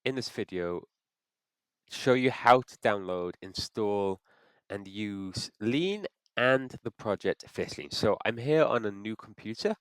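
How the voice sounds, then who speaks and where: A man with a cold, sounding congested, talking through a software install step by step and thinking aloud as he clicks. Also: on the low side, animated, measured pace, clean tone, dry recording, rough recording. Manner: thinks aloud with frequent restarts. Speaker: software tutorial presenter. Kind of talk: screen-recorded how-to walkthrough.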